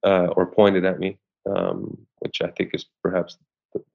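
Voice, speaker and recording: A man's voice: deep voice, level tone, measured pace, vocal fry, darkish tone. A man from Syria, an actor, talking in an interview in a hesitant way with many restarts. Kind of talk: interview conversation. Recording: muffled lo-fi sound.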